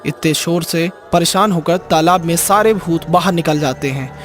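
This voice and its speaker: Casting: male storyteller for cartoon horror, fairly high voice, scripted narration over clearly audible music. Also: normal speed. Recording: music behind the voice.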